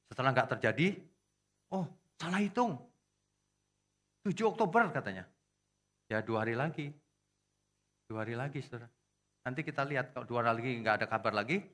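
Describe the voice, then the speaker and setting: Animated preacher, bright voice. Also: male voice, mid-range voice. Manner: animated, acts out quotes in voices, scolding and joking with the congregation. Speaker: pastor. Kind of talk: sermon.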